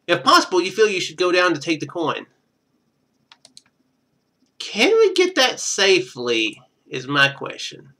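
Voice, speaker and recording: A man's voice: a little high, bright, forceful tone. A man streaming a game, reading its text aloud and adding casual, wry asides.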